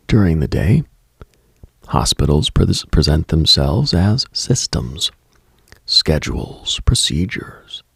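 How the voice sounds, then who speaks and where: A man hosting late-night radio, delivering a slow, atmospheric monologue in a hushed, deliberate, husky voice that slips toward a whisper. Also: deep voice, dry recording. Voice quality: gravelly, husky, breaking into whisper. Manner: hushed, deliberate, storytelling with pauses.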